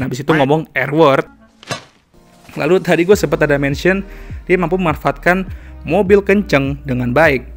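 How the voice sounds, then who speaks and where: A man talks quickly in a chatty, slangy vlog style, his voice slightly hoarse and a little high. Soft music plays beneath him. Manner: chatty, slangy Jakarta-style casual talk. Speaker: F1 commentary YouTuber. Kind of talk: casual vlog commentary. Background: background music.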